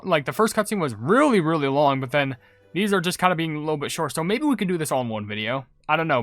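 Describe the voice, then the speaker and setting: A man's voice: on the high side, fairly bright tone, no room sound. A man hosting a gaming video, chatting casually and rambling as he comments and reads aloud.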